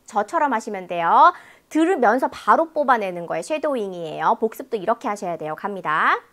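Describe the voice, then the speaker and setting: In her brisk, medium-pitched voice, a female teacher runs an exam-prep listening lecture with lots of animation, demonstrating and exaggerating sounds for the class.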